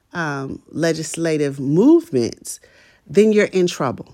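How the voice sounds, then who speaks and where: A woman's fairly low-pitched, ordinary speaking voice with lively intonation, on a very clean recording against a silent background. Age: 50s. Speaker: podcast host and educator. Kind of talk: solo podcast monologue. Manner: casual, conversational.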